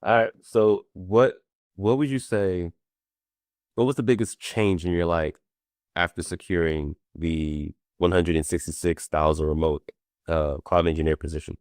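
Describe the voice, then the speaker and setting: Deep-voiced man hosting a chat. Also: a little slow, no echo, clean studio sound. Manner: relaxed, conversational, lots of fillers. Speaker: host. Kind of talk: casual interview chat.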